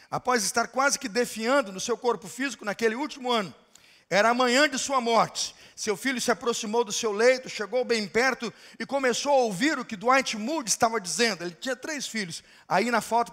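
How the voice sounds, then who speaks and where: A man preaching a sermon in a large church, telling a story dramatically and rising to shouted climaxes. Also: sits high. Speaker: pastor. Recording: long hall reverb of a church.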